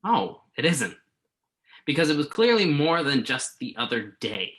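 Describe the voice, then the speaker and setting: Reading a part in a staged play, a man voices a remorseful entertainment journalist who is wordy, earnest, argumentative and full of self-doubt. His pitch sits fairly high, his tone is fairly bright, and he is very animated while speaking a little slowly, sounding sincere and apologetic.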